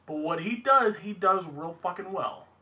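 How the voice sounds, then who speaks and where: A man's voice: high voice, moderate pace, bright, forceful tone. A man co-hosting a podcast in a casual, conversational style. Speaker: podcast co-host. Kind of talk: casual chat, wrestling discussion.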